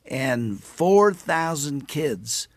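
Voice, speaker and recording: Slow-talking older male radio host. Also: on the high side, sing-song, no echo. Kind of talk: radio interview. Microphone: studio microphone.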